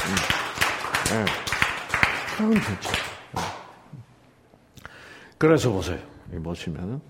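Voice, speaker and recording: A man teaching a Bible passage as a sermon, often asking and answering his own questions, with sudden drops into whispers. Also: medium pitch. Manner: rhetorical questions and answers, swings from loud to whispered. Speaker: pastor.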